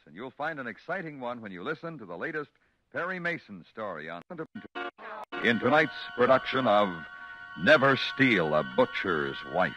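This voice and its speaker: A man works as announcer on a vintage radio thriller program. His medium-pitched delivery is formal and full of portent. The broadcast sound is dull, with music playing strongly behind him. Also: sing-song, moderate pace. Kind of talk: 1940s-50s dramatic radio announcing. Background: loud dramatic music.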